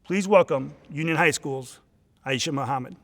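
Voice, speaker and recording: A man speaks as a high school principal, delivering a formal, praising introduction at an awards ceremony. His voice sits a little high for a man. It carries the long reverb of a large hall. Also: normal speed, over loud music.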